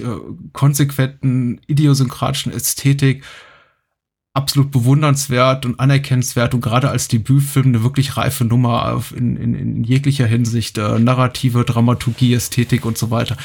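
A podcast guest, a man with a gravelly, raspy voice, talks about a film analytically. He hesitates often and restarts his sentences. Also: mid-range voice, darkish tone. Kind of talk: casual film discussion.

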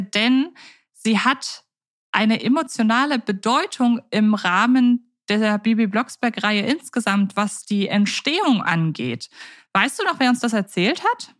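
A woman co-hosting a podcast, speaking in a measured, thoughtful way with some hesitant fillers. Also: fairly high pitch, fairly bright tone, no room sound, clean studio sound. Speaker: podcast co-host. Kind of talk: casual chat about radio plays.

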